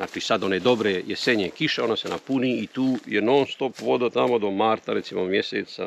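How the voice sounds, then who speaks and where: An unremarkable speaking voice from a man, medium in pitch with ordinary pitch variation, at a fairly quick pace with hardly any pauses, in a dry sound with no echo and light background noise. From Montenegro. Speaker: villager looking for water. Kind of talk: casual chat. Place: car. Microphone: phone near.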